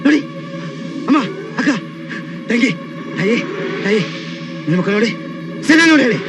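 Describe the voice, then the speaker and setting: Overly polite politician, high-pitched, insists he is calm, film comedy, music behind. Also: moderate pace. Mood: insistent. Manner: overly polite, then shouting denials. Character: pompous male politician insisting he never gets angry.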